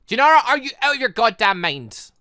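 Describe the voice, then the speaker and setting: A man's voice: very high voice, very animated, brisk, pushed and bright, clear, resonant tone, no room sound, clean studio sound, voice pushed up, heavily acted. A man reading the part of a protective, exasperated friend from a visual novel, scolding and insistent.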